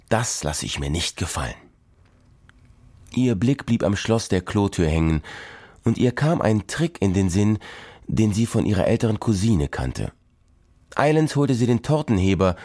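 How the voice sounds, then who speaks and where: Man reading a kids story, lively ups and downs, lowish voice, super dry sound. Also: no echo. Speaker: narrator.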